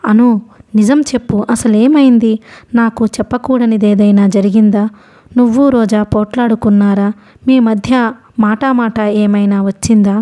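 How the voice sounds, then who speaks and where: A woman's voice: a little high, steady tone, unhurried, dark tone, lightly acted. A woman voicing a grown man, an elder brother who questions his sibling with probing, teasing questions, in an audiobook novel. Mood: worried.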